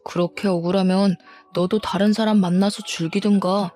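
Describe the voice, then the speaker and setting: A woman's voice: mid-range voice, little pitch movement, moderate pace, warm tone, soft background music, lightly acted. Woman voicing a blustering cheating husband. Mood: scornful. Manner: blustering, contemptuous retorts. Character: defensive cheating husband, a gym owner, quick-tempered. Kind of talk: storybook drama reading.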